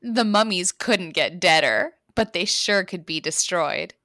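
A woman's voice: lowish voice, lively intonation, measured pace, pushed and bright, no room sound, studio quality. A woman hosting a comedy podcast, reading her own racy story aloud and breaking into giggles.

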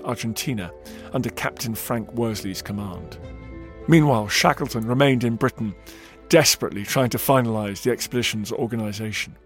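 A man narrating a historical documentary in a measured storytelling way that slows for emphasis. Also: mid-range voice.

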